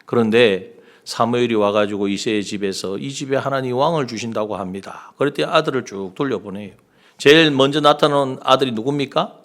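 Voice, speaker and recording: A man's voice: mid-range voice, fairly quick. A man preaching a sermon as pastor, acting out the quoted speech of the figures he talks about. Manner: animated preaching, acts out quoted lines.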